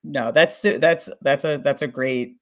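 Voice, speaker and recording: A woman's voice: extremely low pitch, measured pace. A woman speaking informally and emphatically as a fiction podcast creator in a casual panel discussion, with an enthusiastic manner.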